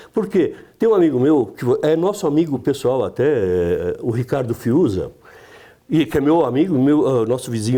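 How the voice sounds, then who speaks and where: Very wide pitch swings in a dark, mellow male voice. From Brazil, São Paulo (east zone). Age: 70s. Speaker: advertising salesman and local political candidate. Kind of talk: interview conversation.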